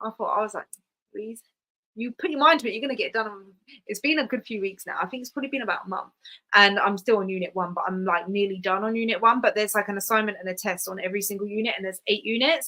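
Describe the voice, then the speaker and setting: A fairly high-pitched woman's voice at a very fast pace, bright and sharp, with ordinary pitch variation. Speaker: weight loss vlogger. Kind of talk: live stream chat. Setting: live stream on webcam.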